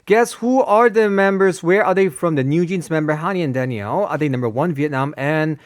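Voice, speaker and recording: A man's voice: a little high, brisk, no echo, clean studio sound. A young man co-hosting a radio show, chatting casually and playfully. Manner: animated, playful, switching between English and Korean. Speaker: radio host. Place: radio studio. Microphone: studio mic.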